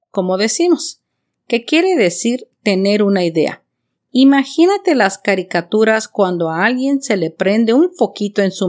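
A woman from Mexico City with a Mexican Spanish accent, hosting a podcast for learners and speaking slowly and clearly to the listener. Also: mid-range voice. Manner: slow, clear, friendly delivery addressing the listener directly. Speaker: podcast host and bilingual teacher. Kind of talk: scripted podcast monologue for learners.

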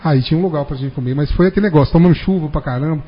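A man, telling a long anecdote fast and animatedly in casual podcast chat. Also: fairly high pitch, slightly rough. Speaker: podcast guest. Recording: dull, reverberant room recording.

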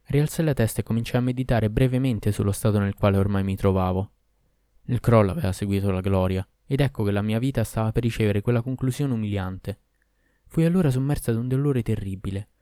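A man reading a classic tale aloud in a measured, expressive way. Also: lowish voice, no echo, studio quality. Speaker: narrator.

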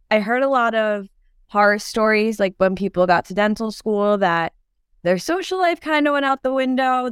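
A woman's voice: medium pitch, clean tone, no echo, clean studio sound. A young woman, born in Turkey and raised in New York, chatting as a dental student guest on a podcast, full of "like" and "um". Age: young adult. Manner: chatty, lots of "like" and "um" fillers. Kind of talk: casual podcast interview.

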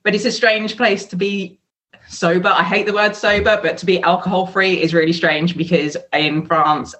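A woman's voice: lowish voice, steady tone, moderate pace, fairly bright tone. Candid English woman in her thirties. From England. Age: 30s. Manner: candid, chatty, with frequent "um" fillers. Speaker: guest, sobriety coach. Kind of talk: casual podcast interview.

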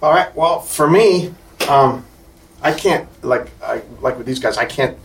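A man's voice: medium pitch, animated, measured pace, gravelly. A middle-aged man from Italy talking enthusiastically on a panel as a composer, rambling with many fillers. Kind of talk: convention panel talk. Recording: distant mic, faint background noise.

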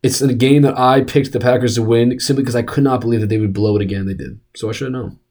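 A young man co-hosting a casual sports podcast, talking in an animated, rambling way full of restarts and fillers. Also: medium pitch, fast. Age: young adult. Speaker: podcast co-host. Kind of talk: casual chat.

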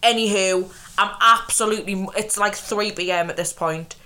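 An English woman co-hosting a podcast, telling animated stories in casual chat while congested with a cold. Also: medium pitch, normal speed. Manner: animated storytelling, swears. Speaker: podcast co-host.

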